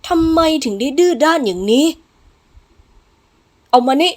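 A domineering master of the house, put on by a woman reader, loud and scolding with no patience at all. His orders come out cold and forceful in an audiobook drama. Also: high-pitched, lively intonation, a little slow, pitched above the performer's own voice.

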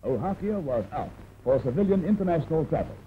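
A man's voice: fairly high pitch, lively intonation, quick pace, slight background noise. A man giving formal, announcing narration for an old newsreel, heard from its original soundtrack. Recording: tinny old newsreel audio with music.

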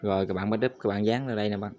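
Fast, flat-voiced man walking viewers through steps. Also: lowish voice, lo-fi sound. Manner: repetitive, addresses viewers constantly as "các bạn". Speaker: crypto tutorial host. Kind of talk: screen-recorded step-by-step tutorial.

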